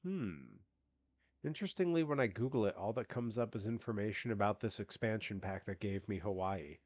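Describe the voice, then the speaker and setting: Congested from allergies, this gaming streamer sounds like he's got a cold as he rambles through casual live-stream chat, restarting often and using plenty of fillers. His voice is on the low side and a little mellow, a bit fast. There's no echo, and the highs are cut off.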